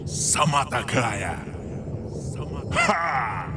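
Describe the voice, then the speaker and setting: A man's voice: medium pitch, very animated, drawn-out words. A man voicing a grumpy, quarrelsome old male cartoon villain who bickers and retorts. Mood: defiant. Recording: loud background noise.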